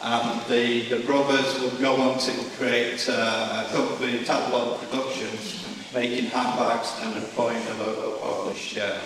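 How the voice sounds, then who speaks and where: A man gives a slide talk in a middle-pitched voice. His delivery is very slow and hesitant, with broken phrasing. He sounds far from the mic in a heavily echoing hall with audible crowd noise. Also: little pitch movement. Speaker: speaker on family history. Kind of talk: slide presentation, narrating family history. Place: large echoing hall with audience. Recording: echoey hall, distant mic, audience noise.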